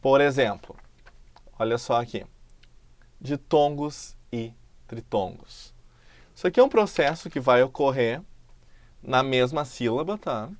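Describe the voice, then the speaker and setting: A man with a Brazilian Portuguese accent teaches a recorded lesson, explaining patiently and drawing example words out slowly. His mid-range voice has lively intonation, with no room sound.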